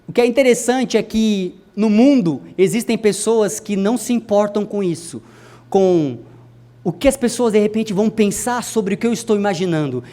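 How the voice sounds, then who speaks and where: High-voiced man preaching a sermon. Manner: addresses the congregation directly, wide swings in pitch and loudness.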